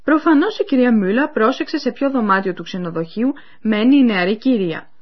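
A woman presenting a radio language course, explaining clearly and speaking to listeners in scripted educational narration. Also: on the high side, expressive. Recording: dull lo-fi radio recording.

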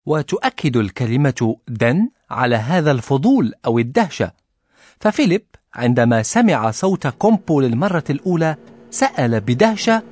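A man hosts a language lesson on radio, putting questions to the teacher on the listeners' behalf. His intonation is lively and animated, recorded dry and close in a studio. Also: medium pitch, normal speed, breathy edge, dry recording. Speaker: radio host.

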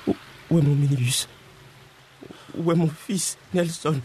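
An actor playing a hurried, money-driven minibus driver and father in a radio drama, impatient and barking orders. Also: a little high, steady tone, darkish tone, a little hiss or hum, natural voice. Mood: distraught.

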